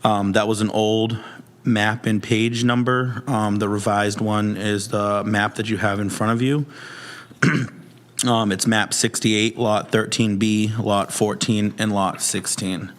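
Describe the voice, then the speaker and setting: Male petitioner, hoarse, lowish and monotone, giving a courteous semi-formal presentation at a public meeting. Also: slow. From Mashpee, Massachusetts, United States. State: hoarse, voice partly lost. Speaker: petitioner addressing a commission. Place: town hall meeting room.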